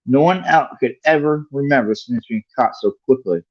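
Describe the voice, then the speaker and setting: A man's voice: medium pitch, normal speed, no room sound, highs cut off. A man reading a story aloud as a livestream host, now and then stumbling over a word and correcting himself. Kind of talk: read-along audiobook narration.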